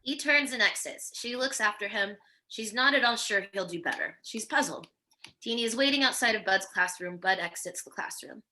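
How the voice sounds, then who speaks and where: A woman's voice: a little high, normal speed, bright, forceful tone. A woman narrating the stage directions of a screenplay at a table read.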